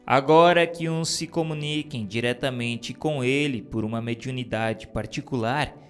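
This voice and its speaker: A man reading spiritist dictations aloud in a solemn, declamatory style, with slow, emphatic stresses. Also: medium pitch, clean tone. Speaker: reader of spiritist texts. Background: soft background music.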